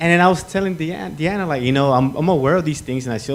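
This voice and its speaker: Noticeable background noise fills the recording. The speaker is a man. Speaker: doctoral student. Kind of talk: personal anecdote.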